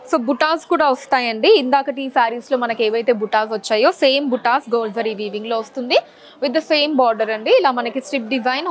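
A young woman presenting sarees in a showroom, politely listing colors, designs and prices. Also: sits high. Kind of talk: product showcase. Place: large saree showroom, indoors.

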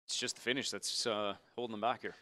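A man in his thirties hosting a post-game hockey show from a TV studio with a handheld mic. He talks fluently with frequent "uh" fillers as he walks through highlights. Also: fairly even intonation, fast talker, sharp tone. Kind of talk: sports post-game analysis. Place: TV studio desk.

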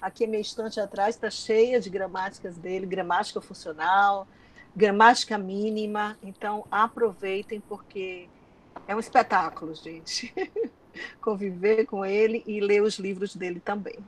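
A woman's voice: mid-range voice, steady tone, measured pace. A woman panelist thanking and praising a lecturer enthusiastically over a video call. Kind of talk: casual thanks at an online lecture.

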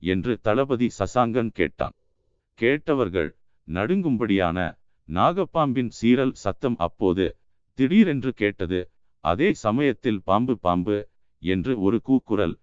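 A man reading a historical novel aloud in a measured storytelling manner, recorded dry and a little dull. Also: fairly low pitch, very animated, clean tone, no echo. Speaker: audiobook narrator. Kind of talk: scripted narration of a historical novel.

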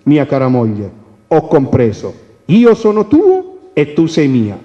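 Guy doing a bossy proud king, kinda high voice, dull lo-fi radio sound. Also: big pitch swings, moderate pace, darkish tone. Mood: tender. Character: stern proud king, a man. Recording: dull radio recording with long reverb.

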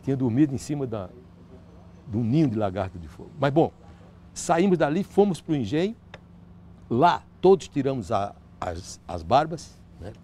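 An older man with a Northeastern Brazilian accent, telling a personal story in an interview with lively gestures and frequent restarts. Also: mid-range voice, normal speed, a little hiss or hum. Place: outdoor terrace by a park. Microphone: lapel mic.

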